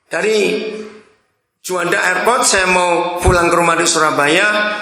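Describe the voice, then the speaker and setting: A man's voice: sits high, unhurried, a little hiss or hum. A man preaching a sermon, telling stories and acting out the dialogue in them. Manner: storytelling, animated, acts out dialogue. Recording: echoey hall.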